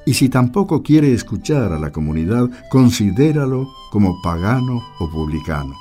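A man reading scripture as a Gospel reader, solemn, measured and deliberate. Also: lowish voice, big pitch swings, warm tone, faint music behind.

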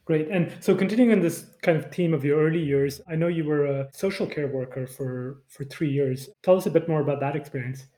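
A man's voice: on the high side, fairly quick, hardly any pauses, warm tone, rough recording. A man hosting a podcast, reading a scripted introduction and then asking friendly interview questions. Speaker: podcast host.

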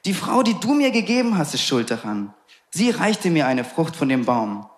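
A man's voice: fairly high pitch, big pitch swings, normal speed, roomy sound. Adam, defensive and blaming, read by a male preacher.

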